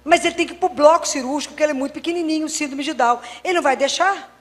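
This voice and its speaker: A Catholic doctor giving a faith talk, telling anecdotes and acting out dialogues with wry humor. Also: female voice, sits high, very fast, long reverb tail. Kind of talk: preaching talk with lively anecdotes.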